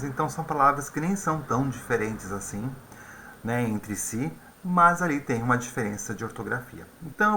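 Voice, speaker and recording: A man gives a video lesson explaining English vocabulary, keeping it conversational and often ending his sentences with tag questions. His medium-pitched voice sounds pushed and bright.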